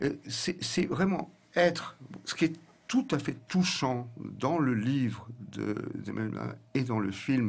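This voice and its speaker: A man with vocal fry speaks at a very slow pace, his medium pitch carried by lively intonation. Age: 70s. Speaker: psychotherapist. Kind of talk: film discussion. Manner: halting, many hesitations.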